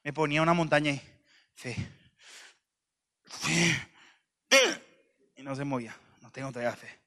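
A man, preaching a sermon as a joking, conversational story with bursts of loud emphasis. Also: mid-range voice, racing.

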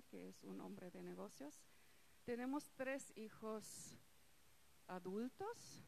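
Slow-spoken German-native woman speaker. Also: a little high, a little hiss or hum, low-quality recording. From Paraguay. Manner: slow, careful non-native speech with pauses and fillers. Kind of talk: talk to a group.

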